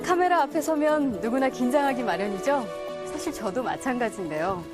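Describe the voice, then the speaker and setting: A woman narrates a documentary with a calm, polished announcer's delivery. Her voice sits slightly high, and music plays behind her throughout. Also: a little fast.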